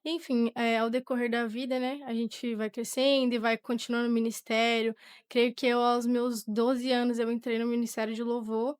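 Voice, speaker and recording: A seventeen-year-old woman with a Brazilian accent giving a personal testimony in an informal, halting way as an interview guest. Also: a little high, level tone, smooth, no room sound, clean studio sound. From Portugal, born to a Brazilian family. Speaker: podcast guest, young church singer.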